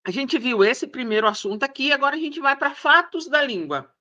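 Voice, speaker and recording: Bright, chatty woman teaching. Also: high-pitched, animated, fairly quick, lo-fi sound. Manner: chatty, thinks aloud, keeps asking "tá?". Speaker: exam prep teacher. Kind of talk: screen-share lesson.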